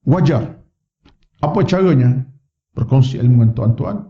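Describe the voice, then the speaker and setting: Malaysian Malay preacher telling a story. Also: male voice, expressive, normal speed, lo-fi sound. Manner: storytelling, acts out quoted voices with rising pitch. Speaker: religious teacher. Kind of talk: mosque lecture. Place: mosque. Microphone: wireless microphone.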